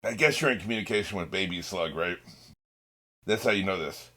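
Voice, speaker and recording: Deep voiced guy doing casual reaction commentary, kinda musing out loud, swears a bit. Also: brisk. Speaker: reaction show host.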